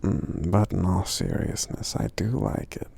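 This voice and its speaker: Guy doing a kind gentle giant for asmr, super low gravelly half whisper, murmurs and hums, takes his time. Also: fairly even intonation, measured pace, exaggerated voice. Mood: warm, encouraging. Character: kindly, considerate male giant, a supportive friend. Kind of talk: soft-spoken ASMR roleplay.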